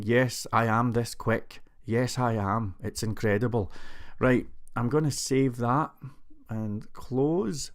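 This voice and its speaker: Man, screencast coding tutor, unhurried delivery, middle pitch, chatty and self-mocking. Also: a little mellow. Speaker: programming tutor.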